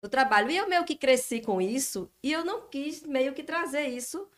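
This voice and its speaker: A woman's voice: high voice, animated, moderate pace. A woman in casual podcast talk, chatting and telling anecdotes about her husband. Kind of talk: casual chat.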